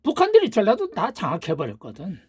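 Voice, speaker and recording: A woman's voice: mid-range voice, huge pitch swings, fast talker, a little mellow, breathy edge, no echo, clean studio sound. An older woman giving a political monologue as a channel host, ranting with rhetorical questions and insults.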